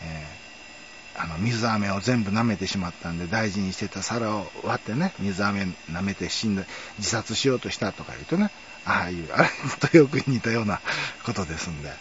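A man's voice: lowish voice, expressive, moderate pace, a bit bright, highs cut off. A man, hosting a casual, rambling monologue full of fillers. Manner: rambling, nostalgic storytelling with many fillers. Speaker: podcast host.

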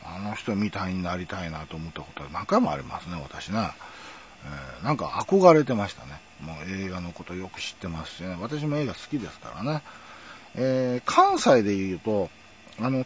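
A middle-aged man with a Kansai accent, reminiscing in a rambling casual monologue with chuckling asides. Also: low-pitched. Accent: Kansai Japanese. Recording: dull lo-fi recording.

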